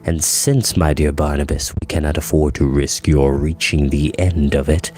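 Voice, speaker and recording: A man voicing a tall, menacing villain in a story, with a cold, deep voice and slow, softly deliberate delivery. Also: steady tone. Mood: cold, threatening. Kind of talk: dramatic audiobook character reading.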